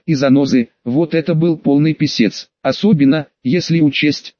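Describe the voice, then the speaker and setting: A male audiobook narrator with a slightly high voice, reading in a wry, crude, casual tone. The sound is dry and close, with a dull, lo-fi edge. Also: darkish tone, no room sound. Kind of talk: first-person audiobook narration.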